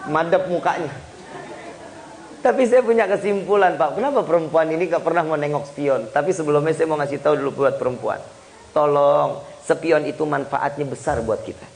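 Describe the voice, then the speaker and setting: High-voiced joking preacher man. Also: brisk, vocal fry, a faint crowd. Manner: lively, joking, addresses the audience directly. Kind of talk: humorous Islamic sermon to a congregation.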